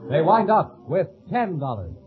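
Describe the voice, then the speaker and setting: A man's voice: fairly high pitch, sing-song, moderate pace. An American man announcing on mid-century radio in a polished, formal sales style. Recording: thin, phone-like old radio recording.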